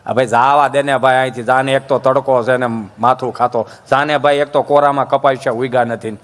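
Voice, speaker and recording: A man's voice: mid-range voice, steady tone, a little fast, long reverb tail, pitched below the performer's own voice, close to an everyday voice. A man voicing a grumpy elderly village grandfather who shoos a stranger away in a stand-up joke. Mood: irritated. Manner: gruff, shooing away.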